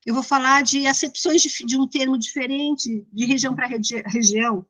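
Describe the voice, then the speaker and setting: A woman with a São Paulo Brazilian accent and a fairly high voice lectures informally. She explains things in a didactic but conversational way, as in an interactive class. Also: fairly even intonation, moderate pace, a bit bright, poor audio. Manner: didactic, conversational, checks in with listeners. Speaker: university lecturer.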